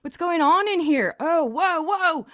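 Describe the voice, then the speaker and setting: A woman's voice: very high-pitched, animated, unhurried, dry recording, clean studio sound, voice pushed up. A woman voicing a bumbling male Irish police officer, stammering and flustered.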